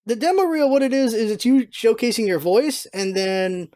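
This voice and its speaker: A man's voice: extremely high pitch, normal speed, dark tone. A man giving a casual, rambling channel update as a vlogger, informal and thinking aloud as he goes. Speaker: video creator and streamer, channel host.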